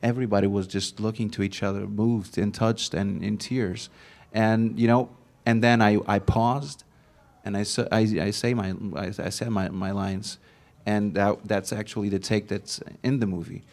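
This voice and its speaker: Earnest man, lowish voice. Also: steady tone, vocal fry, darkish tone. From Portugal. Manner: earnest, halting with many restarts. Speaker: actor. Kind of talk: casual recollection at a panel.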